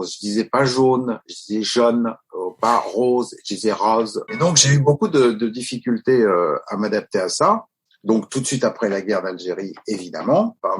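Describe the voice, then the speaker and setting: An older man with a low, husky voice talks as an interview guest. He tells his story earnestly, often pausing and restarting mid-phrase. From Italian-Corsican family, grew up in France. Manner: hesitant, many restarts, earnest. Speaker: stunt school founder, guest.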